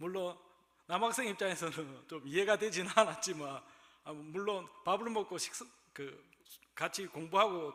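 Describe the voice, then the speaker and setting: A man speaks with a Busan accent. His pitch is high and his pace fairly slow. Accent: Gyeongsang (Busan) dialect. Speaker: pastor. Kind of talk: sermon.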